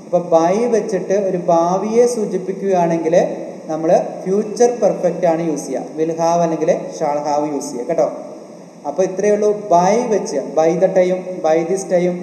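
A man's voice: high voice, moderate pace, mellow. A male teacher with a Malayali accent giving an online grammar lesson, repeating each point and answering his own questions. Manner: repetitive, asks questions and answers them himself. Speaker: exam coaching teacher. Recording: echoey room with faint noise.

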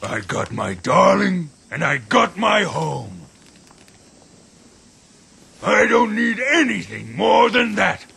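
An actor playing a brawny, easygoing male tribal king who talks in a relaxed, boastful drawl. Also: sits high, slow, gravelly, long pauses, slightly rough, heavily acted. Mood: content. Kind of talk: video game cutscene.

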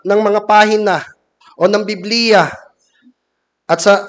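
A Filipino man in his thirties preaching a measured sermon from a wooden pulpit in a church hall, reading scripture aloud. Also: sits high. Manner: measured, reads scripture from a laptop. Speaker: deacon preaching. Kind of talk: sermon mixing Filipino and English.

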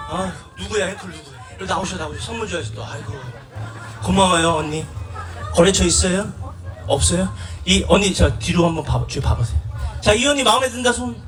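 A man performing as a pumba singer and emcee on an outdoor festival stage, bantering loudly and playfully with the audience. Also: high voice. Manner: loud playful banter, teases the audience, runs quizzes. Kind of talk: live stage singing and crowd banter. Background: live music and crowd.

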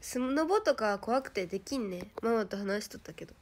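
A young woman with a Kansai accent, chatting casually with viewers on a livestream, giggly and quick to act out past exclamations. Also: mid-range voice, animated, a little hiss or hum. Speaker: idol streamer.

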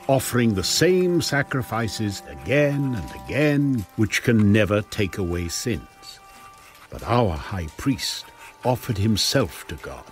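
A man narrating dramatized scripture with earnest, emphatic, dramatic phrasing. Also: fairly low pitch.

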